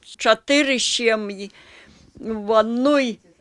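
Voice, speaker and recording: A woman speaks at a very slow pace with fairly even intonation, in a very clean recording with a silent background and a dry, close sound with no echo. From Belarus, Navahrudak district. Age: 80s+. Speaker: war eyewitness. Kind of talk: interview answer, wartime recollection.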